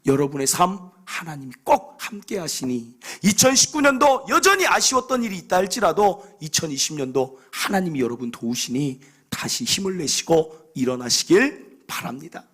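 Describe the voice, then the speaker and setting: A male pastor preaching a sermon in a church, telling scripture stories with animated, acted-out dialogue. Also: fairly high pitch, moderate pace, few pauses, slightly rough.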